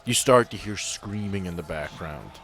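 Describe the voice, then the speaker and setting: A man's voice: low voice, expressive, normal speed, fairly bright tone. A man narrating and running a tabletop game as game master, explaining rules at length.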